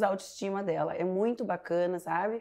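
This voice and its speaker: The voice has a dark, mellow tone, ordinary pitch variation and a moderate pace. The background is quiet. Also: woman. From Curitiba, Brazil; Brazil. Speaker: fashion entrepreneur; guest. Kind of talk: interview. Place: studio.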